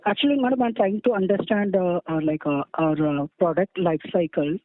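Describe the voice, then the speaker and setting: A man working as a financial analyst asks questions on an earnings call in a halting, deferential, repetitive way. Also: sits high, no echo. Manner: halting, deferential, repeats himself. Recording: tinny phone line.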